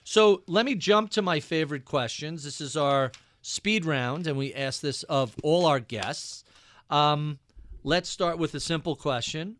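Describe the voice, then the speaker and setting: A man's voice: a little high, a little slow, a bit bright. A man in his fifties hosting chattily. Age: 50s. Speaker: podcast host. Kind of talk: interview conversation.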